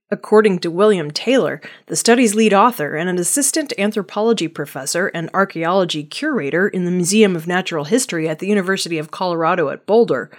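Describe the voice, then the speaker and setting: A woman reading archaeology news headlines and stories in a measured, scripted newsreading style. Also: medium pitch. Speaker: news reader.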